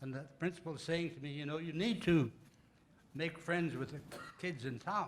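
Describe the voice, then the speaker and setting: Somewhat breathy, a man talks at a fairly quick pace. His pitch varies in an ordinary way. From northern Manitoba, Canada. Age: 80s+. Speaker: audience member asking a question. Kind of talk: audience question at a public talk. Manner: halting, many repetitions.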